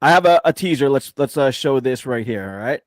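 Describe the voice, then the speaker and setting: A man's voice: mid-range voice, expressive, a little fast, no echo. A man hosting a podcast interview over a video call, talking hesitantly and restarting often. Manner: hesitant, many fillers and restarts. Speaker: podcast host. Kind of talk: casual interview chat.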